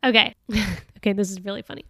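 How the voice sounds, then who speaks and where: A woman hosting a casual solo podcast, chatty and laughing often, reading passages aloud with lively expression. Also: mid-range voice, quick pace, no echo, studio quality. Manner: chatty, laughing often, with many fillers and restarts. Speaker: podcast host.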